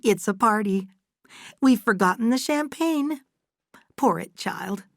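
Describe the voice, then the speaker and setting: A woman reading aloud, voicing a fond, motherly older woman who speaks high and emphatically. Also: lively intonation, slow pace, creaky, dry recording, studio quality. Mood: insistent.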